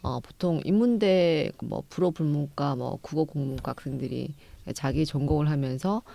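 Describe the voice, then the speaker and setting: A woman professor and guest, explaining her work in a measured, thoughtful way. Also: deep voice, vocal fry, mellow, no room sound. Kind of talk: casual interview answers.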